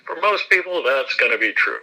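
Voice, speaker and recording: A man, an actor, giving a relaxed and self-deprecating interview, laughing often as he talks. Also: mid-range voice, creaky, low-quality recording.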